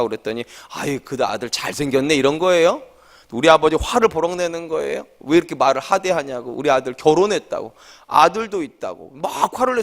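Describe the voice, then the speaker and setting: A man's voice: high voice, fairly bright tone. A man, a senior pastor, delivering an early-morning sermon in a church, earnestly putting questions to the congregation. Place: church sanctuary.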